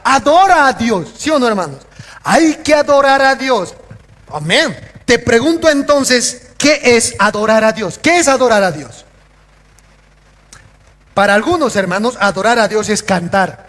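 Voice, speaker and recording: A pastor preaching to his congregation, his voice pitched very high. He keeps asking the listeners questions and acts out short scenes in changing voices. His words ring out through a reverberant church hall. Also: a bit bright. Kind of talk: sermon.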